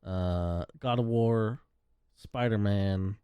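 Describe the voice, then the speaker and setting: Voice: low-pitched, extremely slow, clean tone, no room sound, muffled recording. A co-host of a gaming podcast chatting casually in a laid-back, hedging way with lots of fillers.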